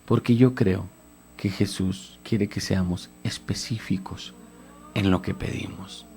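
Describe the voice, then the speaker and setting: A man's voice: sits low, takes it slowly, creaky, faint music behind. A man preaching a radio sermon, retelling a scripture story with mounting fervor. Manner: retells scripture dramatically, rising to shouts of pleading.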